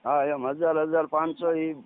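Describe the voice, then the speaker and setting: Over a tinny, narrowband phone line, a Saurashtra Gujarati man in his thirties, a farmer, chats casually as a caller. His voice sits on the high side, his delivery is flat at normal speed, and the sound is dry.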